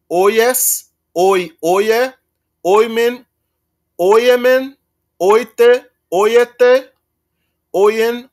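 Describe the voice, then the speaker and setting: A man teaching Greek in a casual online lesson, halting and self-correcting, reciting verb endings slowly. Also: fairly high pitch, a bit bright.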